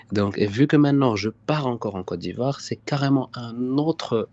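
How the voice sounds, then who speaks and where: A man's voice: mid-range voice, unhurried, a little mellow, muffled recording. A young man from Morocco, a guest in a casual live-stream interview, who hesitates and repeats his words as he answers. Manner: hesitant, repeats words, often says "sincèrement".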